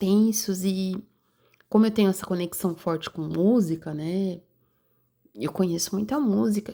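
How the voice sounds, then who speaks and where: A woman's medium-pitched, dark, mellow voice at a fairly slow pace, with ordinary pitch variation, long and frequent pauses, big swings in loudness, and a very clean, silent background. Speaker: holistic therapist and tarot reader. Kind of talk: casual reflective monologue. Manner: conversational, chatty.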